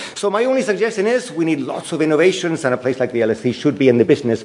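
Very wide pitch swings from a man with a Spanish accent, against noticeable background noise. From Chile. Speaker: public policy dean, economist. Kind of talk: lecture. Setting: stage with audience.

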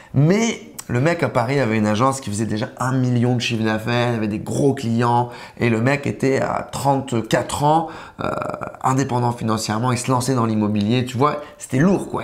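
A man of medium pitch with ordinary pitch variation, a fairly quick pace and noticeable background noise. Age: 20s. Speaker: online entrepreneur. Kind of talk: casual interview. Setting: in person.

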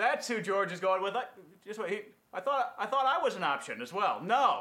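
Noticeable background noise surrounds a man whose voice is raised and projected. He has a high pitch, lively intonation and a fairly slow pace. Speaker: podcast producer, guest on the podcast. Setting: podcast studio.

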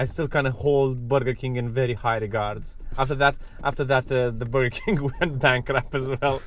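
Speaking in a Romanian accent, a man keeps a moderate pace, a medium pitch and fairly even intonation. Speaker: podcast host. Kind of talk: casual chat. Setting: indoor room with windows open.

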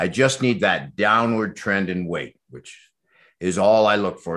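A man with an ordinary speaking voice talks at a moderate pace, his fairly low pitch showing ordinary pitch variation. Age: 50s. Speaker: fitness YouTuber. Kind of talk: casual interview.

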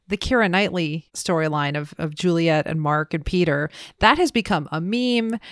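Pitched fairly low, a woman talks at a moderate pace in an ordinary speaking voice, captured in a very clean recording with a silent background and a dry, close sound with no echo. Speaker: podcast host. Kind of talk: casual chat.

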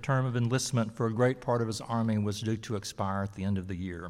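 A man speaks at a fairly quick pace in an American accent. He has a normal speaking voice with ordinary pitch variation. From US South. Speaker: retired judge giving a lecture. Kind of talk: lecture. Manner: formal.

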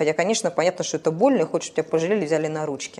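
This woman's dark, mellow tone comes with ordinary pitch variation. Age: 30s. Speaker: psychologist. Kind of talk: interview.

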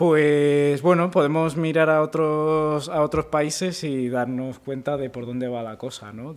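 Speaking at a very slow pace, a man uses a fairly high pitch. His pitch variation is ordinary. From Granada, Spain. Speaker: climate activist. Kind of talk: panel debate. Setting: live event with audience.

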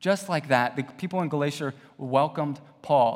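On a very clean recording with a silent background, a man uses an ordinary speaking voice with ordinary pitch variation. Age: 20s. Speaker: pastor. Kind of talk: sermon. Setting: church.

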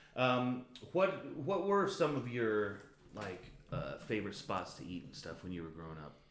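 Very wide pitch swings and big swings in loudness at a moderate pace, with audible room echo. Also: man, medium pitch for a man. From Iowa, US Midwest. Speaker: podcast host and improviser. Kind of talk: casual chat and improv scenes. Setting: on location in Oklahoma City.

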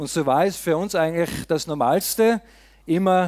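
Heard in a dry, close sound with no echo, a man with an Austrian accent talks at a high pitch in an animated tone with ordinary pitch variation. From Austria, Enns valley in Styria (rural alpine). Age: 30s. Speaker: lay preacher. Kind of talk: sermon.

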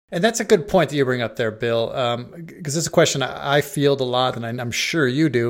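A man with an ordinary speaking voice, a fairly high pitch, lively intonation, a fairly quick pace and hardly any pauses. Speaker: podcast host. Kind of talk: casual interview chat. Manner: friendly, chatty.

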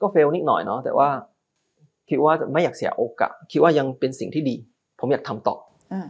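A man in a Chinese accent speaks at a fairly high pitch with ordinary pitch variation. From China. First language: Chinese (speaking Thai). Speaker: e-commerce company CEO. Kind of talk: interview.

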